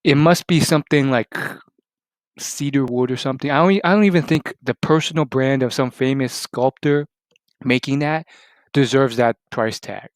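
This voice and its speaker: A man gives casual reaction commentary in a medium-pitched voice. He rambles and hedges as he goes, and the recording is close and dry. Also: moderate pace, no room sound. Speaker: reaction video host.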